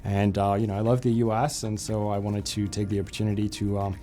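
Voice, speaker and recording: A man's voice: on the low side, flat delivery, fast, dark tone, faint music behind. A man in his forties from France, a financial advisor talking easily about his career, with frequent fillers and restarts. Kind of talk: company profile interview.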